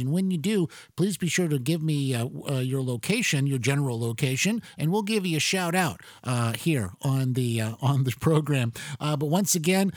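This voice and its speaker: A man's voice: on the high side, no room sound, clean studio sound. A man hosting a political talk show, chatting in a sarcastic, conversational way with many fillers and restarts. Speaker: talk radio host.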